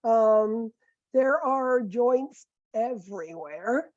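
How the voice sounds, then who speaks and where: A middle-aged nursing professor with a squeaky voice, giving a conversational recorded lecture full of fillers and asides. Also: female voice, expressive, extremely slow, darkish tone, no echo. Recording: dull, muffled lecture recording.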